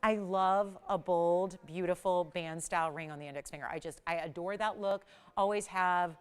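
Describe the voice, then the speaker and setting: A woman in her forties hosting a live TV jewelry shopping show, delivering an enthusiastic, emphatic sales pitch that keeps circling back to the same selling points. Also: steady tone, moderate pace, clean tone. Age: 40s.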